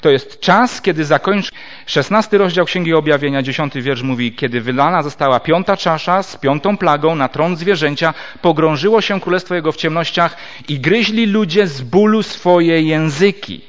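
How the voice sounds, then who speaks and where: Man teaching a sermon, lo-fi sound. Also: on the high side. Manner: measured, explanatory, reads scripture aloud with pauses. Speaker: preacher. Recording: dull lo-fi recording.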